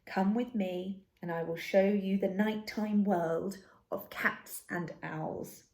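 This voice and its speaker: Woman as a hushed, inviting black cat. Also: mid-range voice, steady tone, takes it slowly, echoey room. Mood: enchanted, hushed. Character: inviting black cat, gentle lover of the night.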